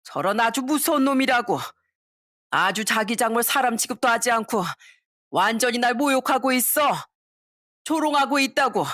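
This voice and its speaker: A drunk, grasping older mother-in-law, as a woman reader puts her on wails and drags out her words in a raised, slowed voice. The sound is dry and close, in the manner of a storybook reading. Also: a little high, fairly bright tone, no room sound, pitched above the performer's own voice. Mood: wailing. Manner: slurred, wailing, dragging words.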